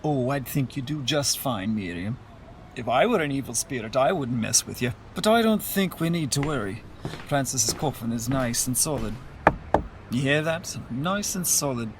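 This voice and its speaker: A man plays a devout Irish Catholic mourner in a radio play. His voice is medium in pitch, earnest and reassuring. He talks conversationally, with faint background noise. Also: expressive, normal speed, lightly acted. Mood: reassuring, fond. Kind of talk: audio drama acting.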